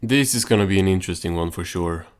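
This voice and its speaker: A man with a low-pitched voice hosts a cartoon recap. His delivery is informal and deadpan, like offhand commentary. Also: fast, soft background music.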